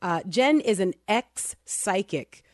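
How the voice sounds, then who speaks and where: A woman's voice: medium pitch, expressive, slow pace, no echo, clean studio sound. A woman in her forties hosting a Christian talk show, earnest and chatty, with frequent restarts and fillers. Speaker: podcast host.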